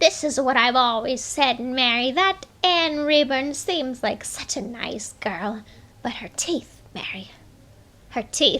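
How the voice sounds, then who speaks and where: Using a put-on character voice, a woman speaks at a high pitch and a fairly slow pace, her loudness swinging widely. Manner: gossipy, disapproving.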